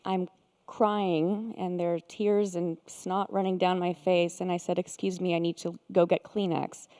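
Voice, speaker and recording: A woman sharing a painful personal story, hesitant and halting, often pausing with fillers. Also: on the low side, little pitch movement, warm tone, clear, resonant tone. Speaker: participant, therapist.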